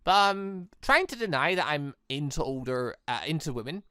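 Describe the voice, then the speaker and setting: Male reader as wry young woman, visual novel game, coy and hesitant, smooth close sound. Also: fairly high pitch, expressive, moderate pace, bright, forceful tone, dry recording. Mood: coy, teasing.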